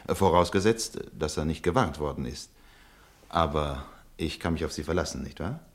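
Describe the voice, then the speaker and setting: A cold wartime occupation officer in a radio play, with a low-pitched voice. He speaks formally and officiously, smoothly evasive and condescending. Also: moderate pace. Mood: smoothly official. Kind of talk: German radio play acting.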